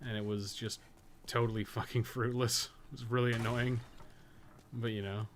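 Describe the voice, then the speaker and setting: A man's voice: mid-range voice, little pitch movement, normal speed, slight background noise. A man giving casual, candid live gameplay commentary in an informal, conversational way, as a streamer chatting with viewers. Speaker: game streamer and guide maker.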